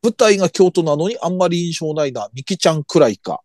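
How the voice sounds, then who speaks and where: Animated man reading listener mail. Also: fairly high pitch, brisk, dry recording, studio quality. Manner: lively, reads messages aloud with jokey asides. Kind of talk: casual chat.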